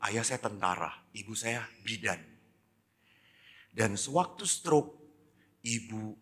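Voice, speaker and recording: A middle-aged man, a Catholic priest, preaching a sermon with animated storytelling that swings between loud, lively passages and hushed whispers. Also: lowish voice, slightly rough.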